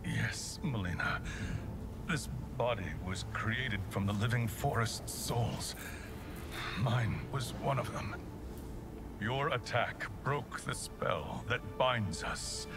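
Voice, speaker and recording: A man playing a resurrected noble king and father in a game cutscene, speaking in a measured, stately, formal way. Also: mid-range voice, animated. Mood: solemn. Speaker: actor in a fantasy fighting game. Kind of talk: dramatic game cutscene acting. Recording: loud music behind the voice.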